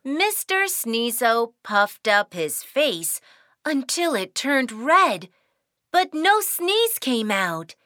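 A woman's voice: high voice, very animated, extremely slow, pushed and bright, no echo, studio quality. A woman narrating a children's cartoon in a sing-song, cheerful storytelling way.

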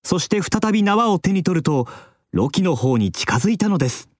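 A man narrating a children's story in a scripted, expressive way, with playful sound words. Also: high-pitched, moderate pace, no room sound, clean studio sound.

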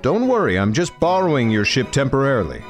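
A man voicing a calm, confident English gentleman who has taken command of a ship. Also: mid-range voice, fast talker, soft background music, lightly acted. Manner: calm, terse. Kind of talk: storybook character voice.

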